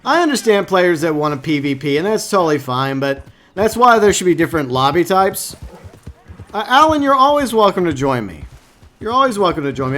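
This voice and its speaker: A man's voice: a little high, fairly bright tone. A man from Texas, casually chatting to viewers on a live game stream and reading their comments aloud.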